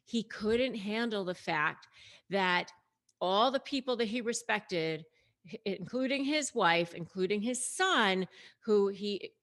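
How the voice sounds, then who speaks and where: A woman's voice: medium pitch, fairly bright tone. A woman host giving casual, explanatory commentary, speaking conversationally and emphatically straight to her audience. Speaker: host and coach giving advice on narcissists. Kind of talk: casual explanatory commentary to camera, retelling a story.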